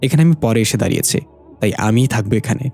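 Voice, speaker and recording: A mischievous young prankster with a smug, cheeky comeback for everything, voiced by a male storyteller. His voice is mellow, and it sits slightly higher than the narration. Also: lively intonation, fast, gravelly, faint music behind.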